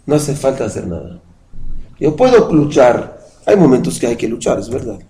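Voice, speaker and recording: A man's voice: medium pitch, very animated, moderate pace, dark tone, a little hiss or hum, rough recording. A man teaching a Jewish study class, explaining patiently, putting questions to his listeners and chanting verses in Hebrew. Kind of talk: religious study lecture with a live class.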